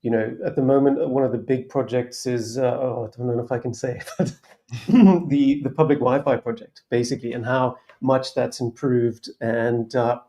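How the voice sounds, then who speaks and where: A man speaking as a guest on a panel, explaining his company's work in a relaxed way, pausing often with fillers and restarts. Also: mid-range voice. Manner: relaxed, hesitant with many fillers. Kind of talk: casual panel discussion.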